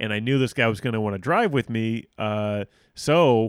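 This man has an unremarkable speaking voice at a medium pitch. His pitch varies in an ordinary way. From Seattle. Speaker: comedian. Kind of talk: casual chat.

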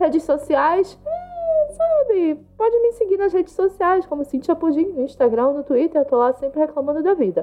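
The intonation is lively, and noticeable background noise sits underneath it. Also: woman, extremely high pitch for a woman, moderate pace. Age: 30s. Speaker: podcast host. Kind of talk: casual chat with narration.

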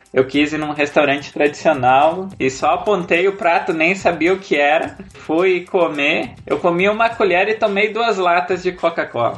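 With a southern Brazilian accent and a high pitch, a man talks at a fairly slow pace with hardly any pauses and ordinary pitch variation, as background noise is noticeable. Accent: gaúcho Brazilian Portuguese. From southern Brazil, Caxias do Sul (Serra Gaúcha). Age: 30s. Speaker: missionary. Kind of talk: interview conversation.

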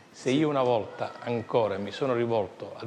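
A medium-pitched male voice with fairly even intonation against noticeable background noise. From Sicily. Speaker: photographer and photography critic. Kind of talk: interview. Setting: festival venue near the beach.

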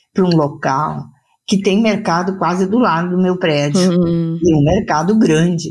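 A woman talks with a dark, mellow tone at a fairly low pitch. Her voice is somewhat breathy, with ordinary pitch variation. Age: 60s. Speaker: widow sharing her faith story. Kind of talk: interview testimony.

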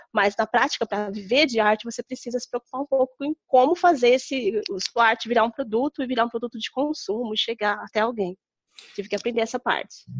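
A woman speaks at a very fast pace with a fairly high pitch and ordinary pitch variation. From Brazil, Guarulhos (São Paulo state). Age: 30s. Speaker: painter and art teacher. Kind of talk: interview.

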